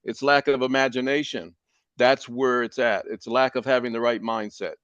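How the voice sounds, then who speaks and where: A man's voice: medium pitch, fairly even intonation, normal speed, fairly bright tone, clean tone, dry recording. Man, meeting lead, emphatic and preachy, dry muffled call audio. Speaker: meeting leader. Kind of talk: motivational meeting talk. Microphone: video call.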